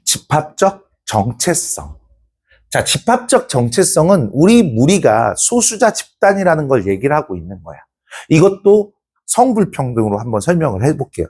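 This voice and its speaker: Male social studies teacher, 40s, chatty storyteller, fairly high and slightly raspy. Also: big pitch swings, normal speed, darkish tone. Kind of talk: lecture with personal anecdote.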